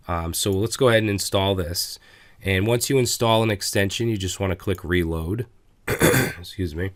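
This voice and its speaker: A man with a slightly raspy voice giving a relaxed, casual coding tutorial while clicking through his editor, with frequent fillers. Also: low-pitched, normal speed, dry recording.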